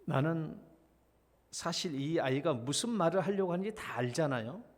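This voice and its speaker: Korean pastor preaching in a reverberant church. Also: male voice, a little high, animated, normal speed. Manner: storytelling, acts out his child's pleading and his own feigned reluctance. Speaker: senior pastor. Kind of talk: sermon. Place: church sanctuary.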